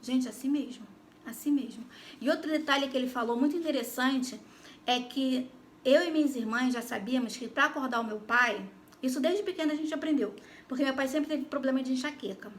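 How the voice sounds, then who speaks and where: A woman's voice: sits high, brisk, a little hiss or hum. A Brazilian woman with a Brazilian Portuguese accent telling a personal faith testimony, talking animatedly and addressing her listeners directly. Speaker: Christian YouTuber giving testimony.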